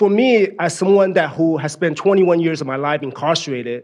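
Against a quiet background, a man speaks in an unremarkable speaking voice. His pitch is fairly high with ordinary variation, and his pace is moderate. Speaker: nonprofit founder and restorative justice advocate. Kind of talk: panel discussion. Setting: stage with audience.

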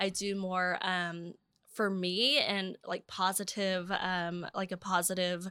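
The speech comes at a very slow pace in a Californian accent. Its intonation is monotone and flat. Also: woman, medium pitch for a woman. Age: 40s. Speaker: independent beauty stylist. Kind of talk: casual interview. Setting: studio.

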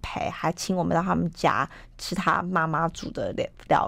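In a very clean recording with a silent background, a woman with a fairly low pitch and vocal fry speaks at a moderate pace with fairly even intonation. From New Zealand (Auckland), born in Taiwan. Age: young. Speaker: travel author. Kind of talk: interview.

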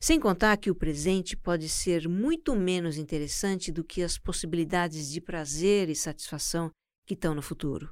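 On a very clean recording with a silent background, a woman speaks in a calm tone at a moderate pace with lively intonation. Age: 50s. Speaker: mindfulness instructor and podcast host. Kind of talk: scripted narration.

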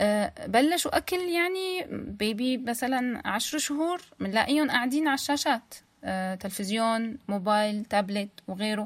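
A woman with a Syrian accent talks at a fairly slow pace. Her fairly high pitch moves in very wide swings. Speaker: podcast host. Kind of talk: scripted monologue.

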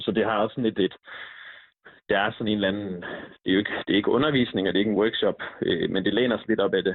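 A man with a fairly low pitch and ordinary pitch variation talks at a very fast pace. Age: 30s. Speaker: music venue organizer. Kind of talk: phone interview.

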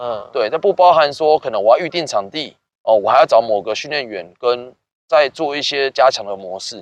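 A man's voice carries vocal fry, with a dry, close sound and no echo. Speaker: tennis coach. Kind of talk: interview.

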